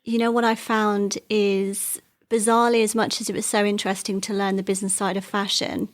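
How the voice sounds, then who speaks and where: A woman born in Wales, a guest in an interview, recounting her career in a relaxed, chatty way. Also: mid-range voice, a little fast. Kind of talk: interview conversation.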